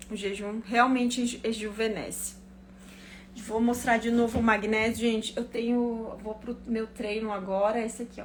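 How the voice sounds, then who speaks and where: The speech moves at a moderate pace in a monotone, flat intonation. Background noise is noticeable. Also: woman, fairly high pitch for a woman. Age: 40s. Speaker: doctor. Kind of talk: casual live chat. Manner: casual.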